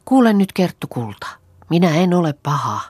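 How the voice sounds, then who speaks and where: A woman's voice: lowish voice, very animated, a little mellow, breathy edge, no echo, pitched above the performer's own voice. A woman reading an audiobook, voicing an earnest woman visitor who coaxes and soothes in a raised, pleading voice. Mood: coaxing.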